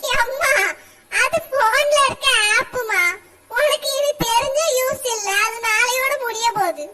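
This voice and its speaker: A woman's voice: extremely high pitch, a little slow, bright, forceful tone, heavily acted. Woman voicing a sulky cartoon village girl. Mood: pleading. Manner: complaining, dramatic sulking. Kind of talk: cartoon voice acting.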